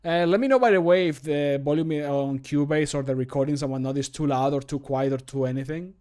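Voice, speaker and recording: Higher-pitched man chatting on stream. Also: fairly quick, dark tone, clean tone. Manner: self-deprecating, profane, thinking aloud. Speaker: streamer recording game mod voice lines. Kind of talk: casual livestream chat while working. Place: small home room, indoors.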